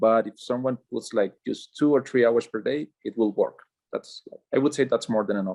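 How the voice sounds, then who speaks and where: With a Spanish accent, a man talks at a moderate pace in a medium-pitched, dark, mellow tone with ordinary pitch variation, the sound dry and close with no echo. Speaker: sales closer, student. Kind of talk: testimonial interview. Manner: halting.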